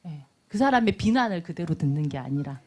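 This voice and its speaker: A middle-aged woman teaching nonviolent communication to a class, lively and often acting out everyday dialogues. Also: low-pitched, fairly quick. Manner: lively, acts out everyday dialogues in little voices. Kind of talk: lecture to a class. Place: lecture room.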